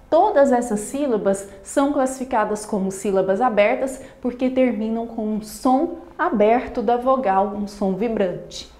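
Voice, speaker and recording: A woman's voice: on the high side, a little mellow, echoey room. A woman teacher giving a grammar lesson, explaining patiently and repeating key terms. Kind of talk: classroom lesson.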